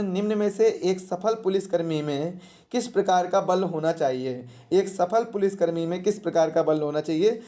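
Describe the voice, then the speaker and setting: Speaking in a middle register with a mellow, relaxed tone, an exam coach teaches in question-and-answer form. The approach is didactic: each point gets restated, and rhetorical questions are posed and then answered.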